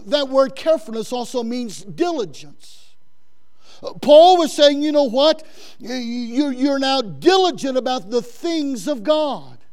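Fervent high-voiced male preacher. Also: darkish tone. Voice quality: big voice. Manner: fervent preaching with frequent stammered repeats. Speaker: pastor. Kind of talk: sermon.

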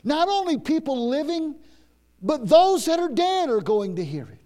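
An older man preaching a sermon. His voice sits unusually high for a man, and he drives his points home with emphatic, repeated phrases, stumbling and restarting as he builds. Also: big pitch swings, normal speed, mellow. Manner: preaching with rising, emphatic repetition. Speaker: pastor. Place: church.

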